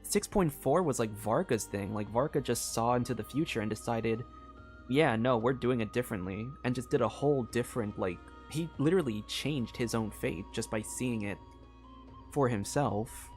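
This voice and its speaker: Woman streamer rambling over soft game music. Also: very deep voice, normal speed. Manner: rambling, circling back, heavy use of "like". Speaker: streamer playing and reacting to a game. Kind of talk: casual game commentary, theorizing aloud.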